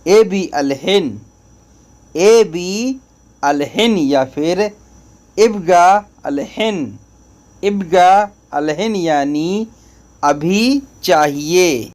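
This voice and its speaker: A man teaching spoken phrases, saying each one slowly and repeating it before explaining its meaning. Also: sits high, expressive, a little mellow. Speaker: language teacher. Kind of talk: slow spoken language lesson.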